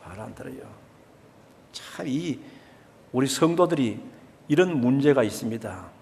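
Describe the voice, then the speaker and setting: A man's voice: mid-range voice, expressive, normal speed, creaky, a little mellow. An older man with a Gyeongsang accent preaching a sermon, emphatic and repetitive, acting out everyday speech. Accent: Gyeongsang Korean. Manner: emphatic, repeats key phrases, acts out everyday speech. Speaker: pastor. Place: church sanctuary. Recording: long church reverb.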